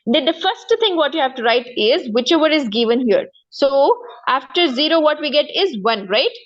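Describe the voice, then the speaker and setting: High-voiced South Asian woman teacher, muffled audio. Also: animated, moderate pace. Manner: repetitive, frequent check-in questions. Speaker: maths teacher. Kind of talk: one-to-one lesson, explaining step by step.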